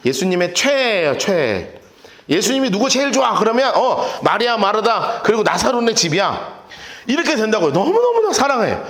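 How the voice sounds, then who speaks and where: A man preaching a casual, playful sermon as pastor, acting out the people in his stories with quick little voices. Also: high voice, big pitch swings, fairly bright tone, roomy sound. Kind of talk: lively sermon. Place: church sanctuary.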